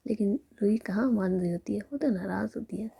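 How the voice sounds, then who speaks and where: A young woman narrates a romance in a soft, intimate whisper. Her voice is very breathy and husky, deep and mellow, with a gravelly creak. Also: a little fast. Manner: soft, intimate, retelling in present tense. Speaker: storyteller.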